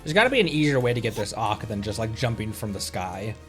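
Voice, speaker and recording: Animated man streaming a video game. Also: on the low side, fast. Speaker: livestream host playing a video game. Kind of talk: casual gaming commentary to a live chat. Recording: game music behind. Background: video game music.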